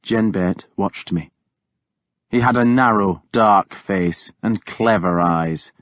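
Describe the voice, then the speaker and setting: A man narrating a novel in the first person with a dramatic, deliberate delivery. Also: on the low side, fairly bright tone, no room sound, dull audio. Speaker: audiobook narrator.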